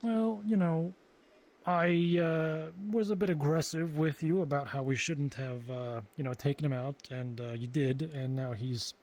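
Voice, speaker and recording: A man improvising in-character conversation, informal, halting and rambling as he talks. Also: on the high side, fairly even intonation, a little mellow. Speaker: roleplayer in a virtual reality game.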